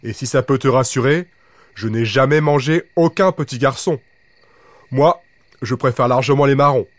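A man voicing a big male forest monster with a deep voice he makes soft, gentle yet stern with bullies. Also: normal speed, close to an everyday voice.

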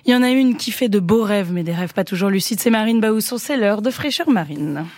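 A woman hosting a radio show, introducing segments smoothly and briskly. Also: mid-range voice, animated. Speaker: radio host.

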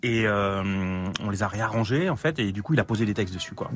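A man in his fifties, a musician guest in a radio studio, chatting in a relaxed, colloquial way with many restarts. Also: lowish voice, quick pace. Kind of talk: casual interview chat.

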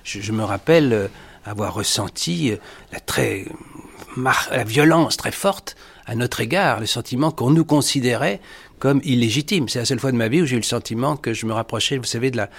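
A man's voice: mid-range voice, a little fast, slightly rough. A man speaking as a guest in a radio discussion, recalling his own experiences. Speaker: panel guest.

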